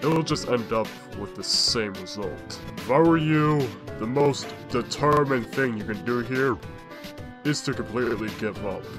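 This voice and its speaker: A man uses a put-on character voice at a medium pitch and a moderate pace. Clear music plays in the background. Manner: taunting, sarcastic, casual.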